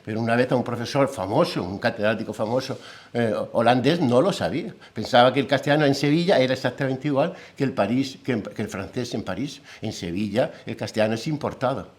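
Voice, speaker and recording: A man's voice: medium pitch, quick pace. A man with a Peninsular Spanish accent gives an academic lecture as a philologist. He explains patiently and keeps checking in with his listeners through rhetorical tag questions. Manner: lively, with a humorous anecdote.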